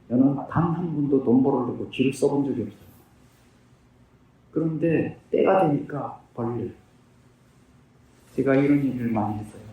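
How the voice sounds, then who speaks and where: A mellow, mid-range male voice belongs to a man in his fifties giving personal testimony about his recovery. He is earnest and plain-spoken, questioning himself and supplying the answers. The mic is distant and the room very echoey.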